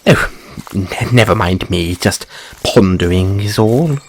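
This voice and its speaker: A man's voice: sits low, unhurried, a little hiss or hum. A man voicing a fussy, curious white rabbit boy in an audio roleplay, with courteous, ornate phrasing and a stammer. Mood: pondering, gentle. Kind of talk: audio roleplay addressed to the listener.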